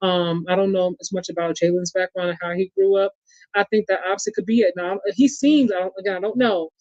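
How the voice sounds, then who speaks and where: A man's voice: high-pitched, fairly even intonation, fast talker, darkish tone, no room sound. A man with a New York accent hosting a casual sports chat, talking to his listeners and reading their comments aloud. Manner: chatty, addresses the audience as y'all and reads viewer comments aloud. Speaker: podcast host. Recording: dull lo-fi sound.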